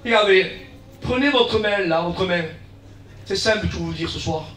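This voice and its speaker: Male pastor, very high pitch, heard from a distance in a roomy church, animated preacher. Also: normal speed, slight background noise. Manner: acts out dialogues, shouts key lines, drops to low asides. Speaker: guest pastor. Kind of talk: lively evangelistic sermon. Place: church hall. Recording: echoey church from far off.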